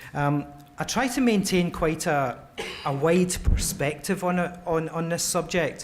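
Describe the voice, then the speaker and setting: The speaker has a strong Glasgow accent and ordinary pitch variation. Audible room echo surrounds the voice. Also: man. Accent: strong Glaswegian Scottish. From Scotland, Glasgow. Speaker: academic researcher, sociologist. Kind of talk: panel talk at academic forum. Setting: stage with audience. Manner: hesitant, many fillers and repeats.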